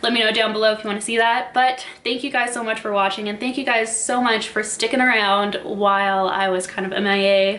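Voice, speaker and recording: A woman with a fairly high pitch speaks in an animated tone at a fairly quick pace, with hardly any pauses. Audible room echo and noticeable background noise are present. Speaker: beauty youtuber. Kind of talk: casual vlog product review. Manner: fast; chatty, animated.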